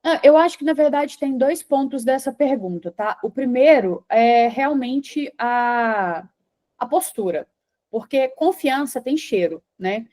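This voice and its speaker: A woman's voice: sits high, measured pace, mellow. A Brazilian woman with a Brazilian Portuguese accent, an English teacher and engineer, answering interview questions in a confident, teacherly way that builds points as lists.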